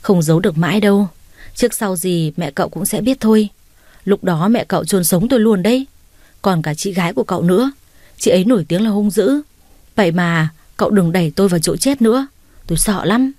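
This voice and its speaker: A woman voicing a nervous young male doctor who argues fast in a storybook reading. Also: medium pitch, warm tone, dry recording, close to an everyday voice. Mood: anxious.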